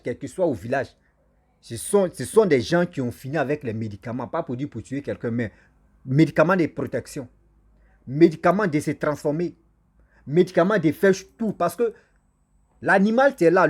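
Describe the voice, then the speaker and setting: A man with a husky, slightly breathy voice pitched a little high for a man tells a folk tale to his online audience. He speaks French as a second language, and his first tongue is a local African language. He talks in a lively, repetitive way and keeps breaking off to address his listeners directly. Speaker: storyteller and channel host. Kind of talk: casual oral storytelling to viewers.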